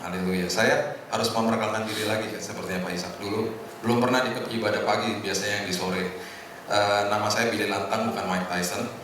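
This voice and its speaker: A middle-aged man preaching informally to a congregation in a conversational, joking way, with hesitant pauses. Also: lowish voice, fairly even intonation. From Indonesia. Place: large echoing indoor hotel hall. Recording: echoey hall, distant mic, noisy room.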